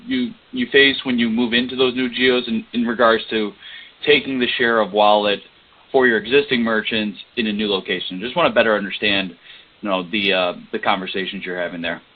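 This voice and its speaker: Halting male analyst on a thin phone line. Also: fairly low pitch. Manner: halting, stammers while forming questions. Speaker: financial analyst asking questions. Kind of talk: earnings call questioning. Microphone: telephone.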